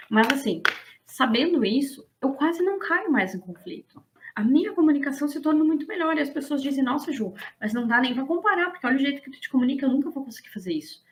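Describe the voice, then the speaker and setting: Woman, business coach, casual lesson, lively, blunt, fairly high pitch. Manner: lively, blunt, shifts into acted quotes. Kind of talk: casual teaching talk. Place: indoors, streaming to an online audience.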